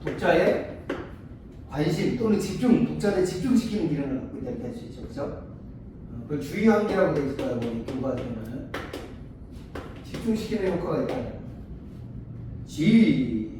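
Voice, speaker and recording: A man's voice: on the high side, animated, normal speed, long pauses. Male tutor lecturing in an echoey classroom. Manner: asks students frequent check-in questions; acts out short dialogues to explain. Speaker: Korean literature tutor. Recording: echoey room, mic far off, faint noise.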